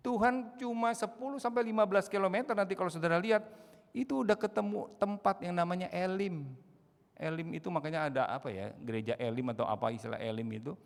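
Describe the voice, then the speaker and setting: A male pastor preaching an animated sermon with a lilt, putting questions to the congregation and bursting into loud outbursts. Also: high voice, fast, vocal fry. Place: church. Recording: long church hall reverb.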